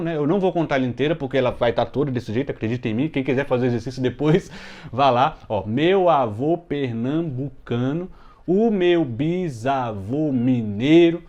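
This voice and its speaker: Brazilian man explaining a music lesson. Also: fairly high pitch. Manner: explains step by step, many "né?" tags, slow deliberate scanning of verses. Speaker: music teacher, channel host. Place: home room with closed window, children heard outside.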